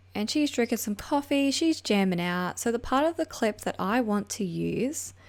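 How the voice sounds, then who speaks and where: A woman with an unremarkable speaking voice and fairly high pitch speaks at a moderate pace with lively intonation and hardly any pauses, on a very clean recording with a silent background. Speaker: video editing tutor. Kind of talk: tutorial.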